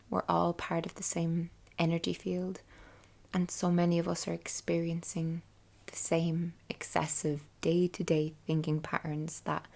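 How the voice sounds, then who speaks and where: A woman leading a guided meditation in a soft, breathy, half-whispered voice with an unhurried, soothing delivery. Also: lowish voice. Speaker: host guiding a meditation. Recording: soft music bed behind voice. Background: quiet background music.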